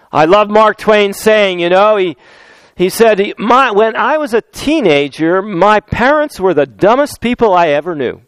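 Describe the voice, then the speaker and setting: A man with a fairly high, smooth and resonant voice, preaching a sermon. He weaves in stories and scripture and draws out key phrases for emphasis. The sound is close and dry. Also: no room sound, low-quality recording. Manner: storytelling with anecdotes and scripture, slows down for emphasis. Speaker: pastor.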